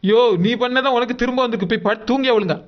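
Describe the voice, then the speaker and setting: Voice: mid-range voice, racing, highs cut off, natural voice. An actor voicing a bossy, suspicious cartoon mother who scolds and mutters. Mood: scolding. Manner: scolding, muttering, name-calling. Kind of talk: cartoon dub dialogue.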